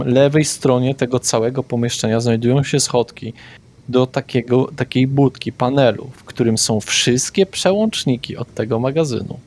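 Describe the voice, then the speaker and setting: A man narrating a tabletop game as game master, describing scenes slowly and deliberately, with hesitant pauses. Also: mid-range voice, a little mellow. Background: faint background music.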